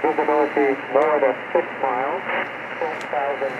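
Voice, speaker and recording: A man's voice: mid-range voice, flat delivery, moderate pace, phone-quality sound. A man reading a formulaic aviation weather bulletin in a clipped, impersonal way over shortwave radio. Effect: shortwave sideband radio. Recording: noisy shortwave radio from a speaker.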